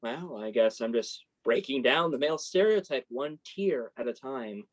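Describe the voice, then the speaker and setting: A man's voice: medium pitch, lively intonation, normal speed, close to an everyday voice. A man playing a wry, sensitive college guy. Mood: wry, defensive. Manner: self-deprecating, dry sarcasm. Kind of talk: staged reading of a play, naturalistic dialogue.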